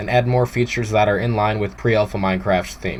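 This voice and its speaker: Noticeable background noise runs beneath this man's speech. His pitch is fairly low, with ordinary variation. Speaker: gaming YouTuber. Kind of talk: let's play voiceover narration.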